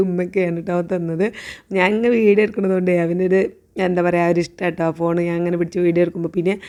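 A woman's voice comes through at a fairly low pitch in a dark, mellow tone, with monotone, flat intonation. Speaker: vlogger. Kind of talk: voice-over narration. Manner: conversational.

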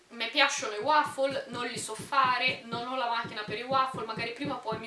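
An animated voice moves at a moderate pace. Light background noise and audible room echo sit behind it. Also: woman. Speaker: YouTuber / vlogger. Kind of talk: casual vlog monologue to camera. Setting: home video recording. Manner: chatty, informal, animated. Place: home room. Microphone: camera far.

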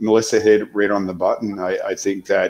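Moderately paced, a man speaks in a Canadian accent. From western Canada. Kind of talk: panel discussion. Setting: video call. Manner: energetic. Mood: earnest, positive. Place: kitchen. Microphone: headset.

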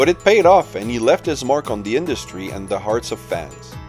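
Music plays in the background as a man speaks at a fairly quick pace. His pitch swings very widely. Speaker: YouTube reviewer, host. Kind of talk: documentary-style narration.

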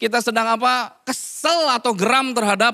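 Over a quiet background, a man projects a raised voice at an extremely high pitch, his tone bright and sharp. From Indonesia. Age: young. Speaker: pastor. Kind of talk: sermon. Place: church. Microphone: handheld.

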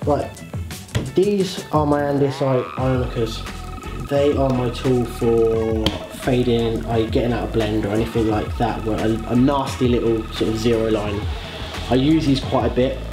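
Moderate pace with long, frequent pauses and clear music in the background. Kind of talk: tutorial. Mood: casual, jokey. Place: shop.

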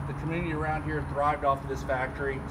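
A man speaks over noticeable background noise. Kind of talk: casual vlog chat. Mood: nostalgic, a bit sad. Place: street. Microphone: phone near.

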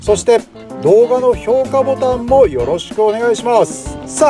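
At a moderate pace, the voice sounds dry with no echo, and clear music plays in the background. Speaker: ramen review host. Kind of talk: food review narration.

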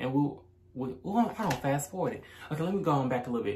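The speaker is a man. His tone is animated. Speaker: YouTuber. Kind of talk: casual storytelling vlog. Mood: relaxed, personal storytelling. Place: home room. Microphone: phone near.

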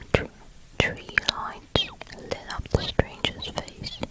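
Noticeable background noise surrounds a whisper that moves at a very slow pace. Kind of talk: ASMR whispered story reading. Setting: close-mic home recording. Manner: whispered, up close.

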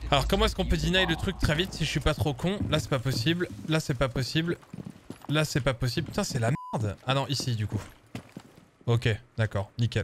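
Noticeable background noise sits behind a man talking at a fairly quick pace, in a dry sound with no echo. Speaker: game streamer. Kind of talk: gameplay commentary. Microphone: studio mic.

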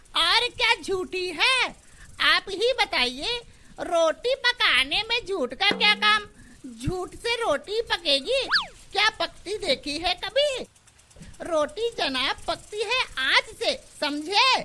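In a gruff, put-on character voice, the speaker goes at a very slow pace. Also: woman. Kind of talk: dramatized character dialogue. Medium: cartoon. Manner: proud, gruff, teasing, lecturing.

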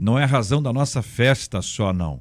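A man's lively intonation at a fairly slow pace against a quiet background. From Brazil. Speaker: radio host. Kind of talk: live radio debate. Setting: radio studio. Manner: animated. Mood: earnest, persuasive. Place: studio. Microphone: studio mic.

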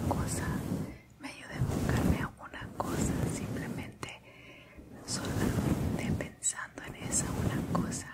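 Whispering at a fairly slow pace in a gentle tone, a woman's voice swings widely in loudness over noticeable background noise. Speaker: ASMR content creator. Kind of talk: ASMR whisper talk to camera. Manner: whispered, gentle.

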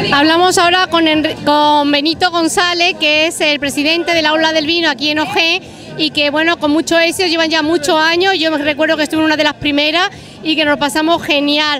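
A woman's extremely high, raised and projected voice at a fairly quick pace, monotone and flat in intonation, very even in loudness, with music in the background. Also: dry sound with no echo. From Andalusia, Spain. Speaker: local TV reporter. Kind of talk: on-location event interviews. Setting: outdoors at a town festival. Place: street. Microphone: handheld.

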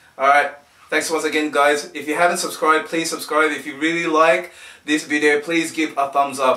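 A man speaks with an Australian accent at a fairly high pitch. His delivery is monotone and flat, at a moderate pace. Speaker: sneaker YouTuber. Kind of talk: casual chat. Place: home room. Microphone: camera far.

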